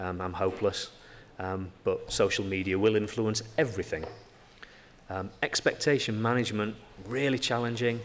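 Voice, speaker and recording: With a strong Yorkshire accent, a man speaks in a fairly low pitch at a moderate pace, his pitch varying in an ordinary way, with long, frequent pauses. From Yorkshire, northern England. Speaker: physiotherapist, conference speaker. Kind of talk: conference lecture. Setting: stage with audience, with interpreters. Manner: frequent fillers, um and uh.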